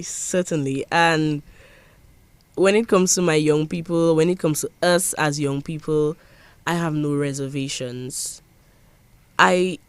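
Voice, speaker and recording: A woman's voice: low-pitched, no echo. A young woman from Dominica with a Dominican accent, a parliamentary secretary answering interview questions in an earnest, emphatic way with frequent restarts. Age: young adult.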